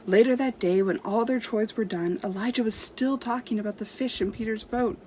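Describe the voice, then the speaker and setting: A woman's voice: on the high side, moderate pace, a little mellow, a little hiss or hum. A woman storyteller reading a storybook aloud to children expressively.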